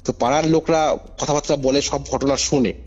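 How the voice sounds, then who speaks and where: In a slightly high, darkish voice with a steady tone and brisk pace, a man phones in to tell of a paranormal case. The muffled call has music in the background, and he speaks emphatically and informally, repeating phrases and checking the listener is keeping up.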